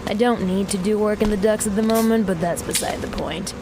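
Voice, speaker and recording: A woman's voice: mid-range voice, fairly quick, background noise, close to an everyday voice. An actress playing a brash, self-assured young woman mechanic in a sci-fi audio drama, talking wryly into a recording as if interviewing herself. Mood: defensive, wry. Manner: wry, self-interviewing, casually sweary.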